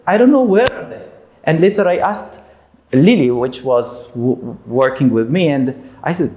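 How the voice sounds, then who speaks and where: Man with a lively, hesitant voice. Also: on the high side, moderate pace, a little hiss or hum, rough recording. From Egypt. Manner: hesitant, many fillers, frequent laughs. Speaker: interviewee. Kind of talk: casual interview in second language.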